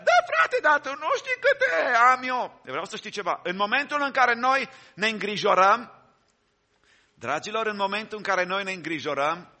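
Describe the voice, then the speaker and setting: High, bright-voiced fervent male preacher. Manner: fervent, exhorting, with repeated refrains and call-and-response. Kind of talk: sermon.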